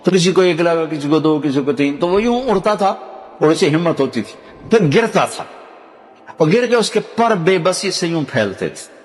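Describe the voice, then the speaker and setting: An older man from Pakistan with a Punjabi accent, preaching a sermon and telling stories, dropping low to recite Arabic verses. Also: lively intonation, in a large hall. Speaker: Islamic preacher.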